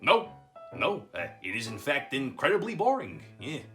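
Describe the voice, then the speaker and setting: A man's voice: medium pitch, wildly swooping pitch, moderate pace, fairly bright tone, faint music behind. A man voicing a bored, doubtful mailman puppet in a comedy puppet show, muttering in an unenthusiastic way.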